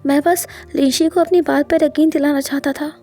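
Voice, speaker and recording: A possessive young husband, as a woman narrator reads him, firm and calm in a high, mellow voice. He speaks with quiet authority and sometimes drops to a hush. Faint music runs under the storybook narration. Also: normal speed. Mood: soothing.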